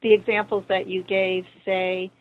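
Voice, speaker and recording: A woman calling in to ask a question, talking haltingly with many restarts. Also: medium pitch, level tone, faint music behind. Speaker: caller. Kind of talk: phone-in question. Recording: phone line.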